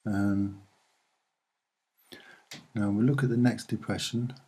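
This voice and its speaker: A soft-spoken man presents an unscripted visual commentary in a dark, husky voice. He moves very slowly and haltingly, pausing often as he searches for the next phrase. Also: on the low side, flat delivery. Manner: hesitant, halting, with many pauses. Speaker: amateur video presenter.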